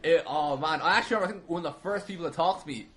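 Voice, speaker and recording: Bright-voiced, self-deprecating Irish man chatting. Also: on the high side, rapid-fire. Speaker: podcast guest, wrestling video maker. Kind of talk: casual chat.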